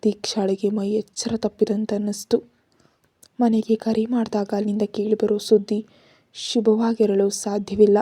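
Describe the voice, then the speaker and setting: A woman reading a dramatic story aloud in a soft, even manner. Her voice is dark, mellow and breathy, with a flat pitch, in a dry close recording. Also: moderate pace, dry recording. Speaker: story narrator. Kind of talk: read-aloud narration.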